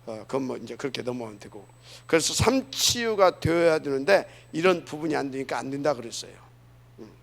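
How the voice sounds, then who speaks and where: A man's voice: mid-range voice, animated, fairly quick, creaky. A middle-aged male pastor preaching a sermon in a church, earnest and emphatic, often asking the congregation questions.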